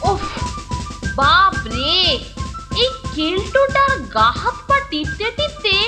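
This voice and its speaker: A woman's voice: very high-pitched, very animated, slow pace, music in the background, exaggerated voice. A woman voicing a put-upon, wary little schoolboy who grumbles in a children's cartoon. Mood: weary grumbling.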